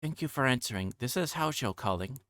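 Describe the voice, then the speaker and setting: Young girl, visual novel character played by a man: raised pitch, polite, tentative, dry sound. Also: expressive, fairly quick, fairly bright tone, no echo, close to an everyday voice. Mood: polite, unsure. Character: young girl on a phone call, polite and unsure.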